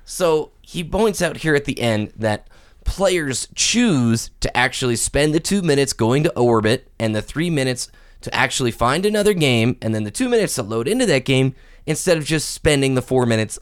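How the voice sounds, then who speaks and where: A man hosting a casual gaming podcast, talking in a chatty, easygoing way with a mid-pitched voice. He sits close to the mic in a dry, dead room with no echo. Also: animated, normal speed, clean tone. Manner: chatty, reads listener posts aloud. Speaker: podcast host.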